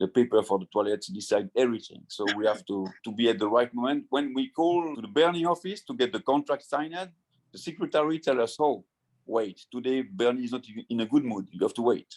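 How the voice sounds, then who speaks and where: With a French accent, a man at medium pitch talks fairly quickly in lively intonation, his loudness swinging widely, in a dry, close sound with no echo. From French-speaking Switzerland. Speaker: sports photographer. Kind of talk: interview. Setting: podcast. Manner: halting, many repetitions.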